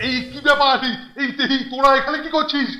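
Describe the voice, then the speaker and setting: Actor doing angry flustered cartoon hostel boss man, talks super fast, repeats himself, music behind. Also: sits high, flat delivery, roomy sound, close to an everyday voice. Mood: frantic, blustering. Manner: flustered, repeats words frantically. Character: blustering irate male hostel superintendent. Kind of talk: exaggerated cartoon dubbing.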